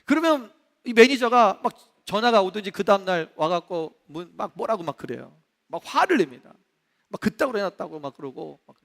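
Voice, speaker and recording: A male pastor preaching a sermon in a church, animated, acting out the voices he quotes. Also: extremely high pitch, vocal fry. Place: church sanctuary. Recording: long reverb of a church hall.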